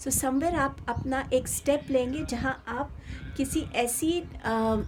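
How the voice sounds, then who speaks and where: A woman's high voice, with normal pitch movement, unfolds very slowly. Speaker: tarot reader. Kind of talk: tarot reading video.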